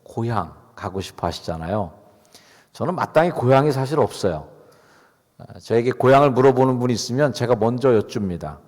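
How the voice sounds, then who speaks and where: In a church sanctuary with a long reverberant echo, a middle-aged pastor preaches expressively and fairly quickly. His voice is medium-pitched and a touch mellow, and he talks casually with the congregation, putting questions to them as he goes.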